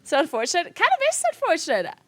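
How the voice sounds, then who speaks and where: High-pitched woman with South Tyrolean accent. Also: a bit bright, no room sound. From South Tyrol, Italy. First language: not English. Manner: giggly, laughs often while talking. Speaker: game streamer and esports caster. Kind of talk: casual livestream chat.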